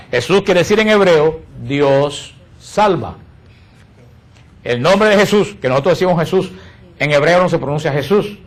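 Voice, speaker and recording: A man teaching catechism to a group, asking questions and answering them himself, slowing and lowering his voice on key words.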